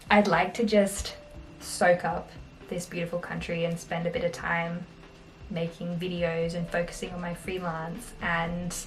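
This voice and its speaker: A young Australian woman in her twenties, chatting casually on camera in a small bedroom, upbeat and quick to laugh. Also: fairly low pitch, a little hiss or hum, poor audio. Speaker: vlogger. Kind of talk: casual talking-head finance vlog.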